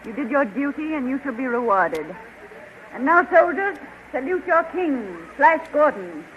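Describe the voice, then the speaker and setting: A woman's voice: sits high, big pitch swings, a little slow. An actress playing a proud, commanding queen in a formal, dramatic 1930s radio serial. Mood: regal. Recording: noisy, muffled 1935 radio recording.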